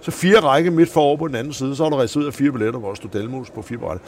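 A man, a former handball coach, telling animated stories in an interview and acting out the people he quotes. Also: medium pitch, slight background noise. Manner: animated, acts out quoted voices in anecdotes. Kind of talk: anecdotal interview storytelling.

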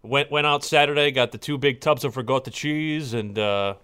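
A man hosting a loose, casual podcast, his voice smooth and clear at a middling pitch. He talks in long, rambling stretches, stopping to restart his sentences and filling gaps with "uh". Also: normal speed, a bit bright. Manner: rambling, many fillers and restarts. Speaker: podcast host.

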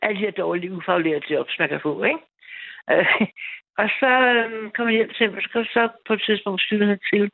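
A woman's voice: medium pitch, steady tone, gravelly. Rambling woman caller on a phone line. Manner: rambling, repeats herself a lot. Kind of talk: personal storytelling on a call-in show. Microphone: telephone.

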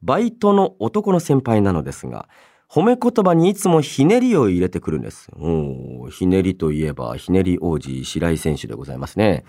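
A man in his thirties hosts a casual radio show from a studio with background music playing, chatting playfully and reading listener mail. His low, dark voice swings hugely in pitch and moves briskly, and he stays polite but loose, often chuckling at himself.

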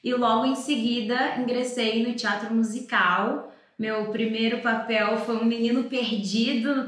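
A woman in her twenties from São Paulo, a guest actress chatting lively in a talk show interview. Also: on the high side, very echoey. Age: 20s.

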